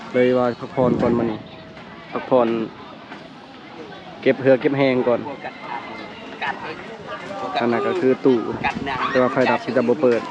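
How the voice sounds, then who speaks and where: A man with a Lao accent vlogging casually at a village wedding, chatting with the locals and asking them questions. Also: mid-range voice. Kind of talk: casual vlog narration and chat. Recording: muffled, busy crowd and noise.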